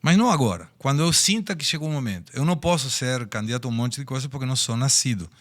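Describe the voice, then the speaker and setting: In an animated, quick-paced, mid-range voice, a man in his sixties from Argentina reflects on life lessons while telling personal stories as a podcast guest. He's a native Spanish speaker with an Argentine accent.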